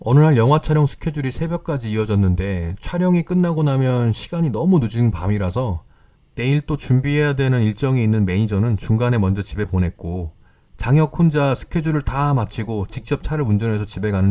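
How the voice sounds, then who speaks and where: A man calmly narrating scripted horror stories in a measured, storytelling way. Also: mid-range voice.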